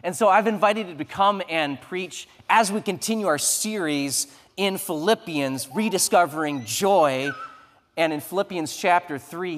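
A man's voice: fairly high pitch, fairly bright tone. A man in his thirties, a lead pastor, speaking in a conversational, earnest way on a church stage before leading a prayer. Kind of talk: church announcements and introduction, then prayer. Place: church stage, large sanctuary. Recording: reverberant church sanctuary.

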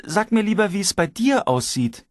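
Man doing a worried young wife: high, pleading, insistent. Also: sing-song, normal speed, dry recording, studio quality. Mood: anxious. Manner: anxious, pleading.

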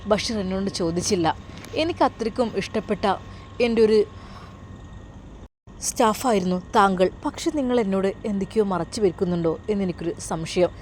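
A woman voicing a kind, caring older Arab woman employer who asks gentle, coaxing questions. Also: mid-range voice, a little fast, pauses often, slight background noise, natural voice. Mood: puzzled.

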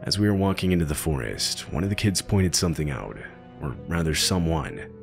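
A man narrating first-person horror stories in a slow, grave storytelling manner. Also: extremely low pitch, big pitch swings, vocal fry, over music. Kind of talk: scripted narration.

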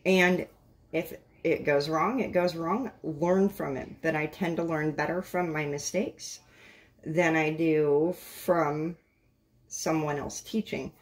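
Woman, middle-aged, host, casual interview, slow pace, lowish voice, laughs often. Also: steady tone.

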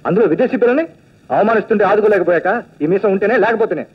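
A husky, hot-headed young man. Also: sits high. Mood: defiant. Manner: defiant, huffy, quick to argue. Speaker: young man, brother of the aunt. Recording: dull lo-fi film soundtrack.

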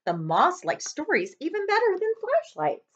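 Female children's librarian, thirties, animated read-aloud with very varied pitch, slightly dull webcam sound. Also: normal speed. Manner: expressive, dramatic storytelling. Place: living room, on a couch.

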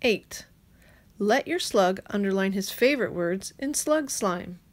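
A woman teacher reads a children's picture book aloud at an unhurried pace. Her pitch sits in the middle, and her delivery is clear and patient. The rhymes come out in a gentle sing-song. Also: lively intonation.

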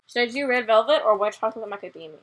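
A woman's voice: a little high, animated, rapid-fire. A woman hosting a gaming video, chatting casually and playfully teasing her co-player. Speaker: gaming channel host. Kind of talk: casual game commentary.

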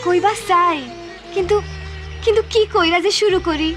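A woman's voice: very high-pitched, steady tone, normal speed. An anxious teenage cartoon girl. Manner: troubled, pleading. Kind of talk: cartoon voice acting. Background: music.

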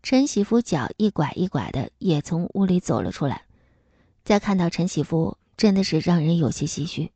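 A woman narrating a novel as an audiobook in a steady storytelling manner. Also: on the low side, normal speed, slightly rough, dry recording.

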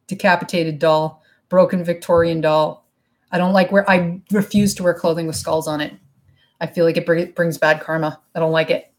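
A woman in her thirties chatting frankly and casually with her live viewers, swearing now and then, recorded on a webcam mic in her apartment living room. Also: fairly low pitch. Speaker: vlogger answering live chat. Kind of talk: casual live-stream chat. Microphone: webcam mic at desk.

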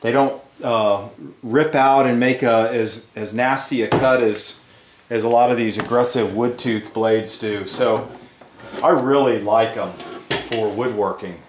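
A man's voice: medium pitch, fairly even intonation, unhurried. A man in his fifties giving a casual, folksy, hands-on woodworking demonstration in a rambling way. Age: 50s. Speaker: woodworking instructor, host. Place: indoor woodworking shop. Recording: echoey workshop with tool and rubbing noise.

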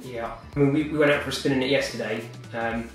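An English man hosts a relaxed, informal interview, interjecting with short reactions. He is recorded at some distance in a strongly reverberant living room, with faint music underneath. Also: medium pitch, fast. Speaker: host, interviewer. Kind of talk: casual interview chat while gaming.

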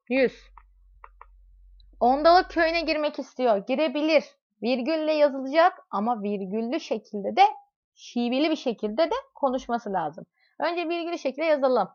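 A woman teaching a math lesson, explaining with everyday examples and asking her students questions as she goes. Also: sits high. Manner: talks directly to students in second person. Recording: dull lo-fi recording.

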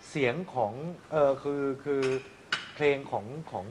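A man vocal coach questioning a singer in a measured, probing way. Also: background noise. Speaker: vocal coach giving feedback. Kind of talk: critique after a performance.

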